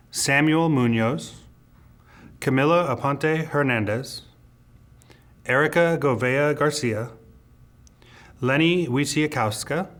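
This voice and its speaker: Measured man announcing award names. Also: mid-range voice, fairly bright tone. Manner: formal, measured name reading. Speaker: school principal.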